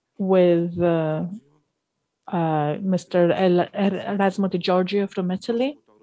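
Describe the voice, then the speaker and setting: A dark, mellow tone at a very slow pace. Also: woman, medium pitch for a woman, fairly even intonation. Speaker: conference presenter. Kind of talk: conference presentation.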